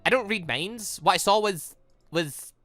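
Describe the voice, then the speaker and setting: A man voicing a shaken, earnest young female student in a visual novel, halting and stammering. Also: high voice, fairly bright tone, no room sound, pitched above the performer's own voice. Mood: troubled, halting.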